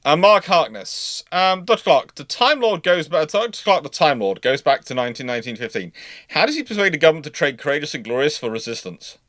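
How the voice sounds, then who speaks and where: A man hosting a casual live question-and-answer stream, explaining as an expert in a halting way, often repeating and rephrasing mid-thought. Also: fairly high pitch, very animated, fairly bright tone, dry recording, clean studio sound.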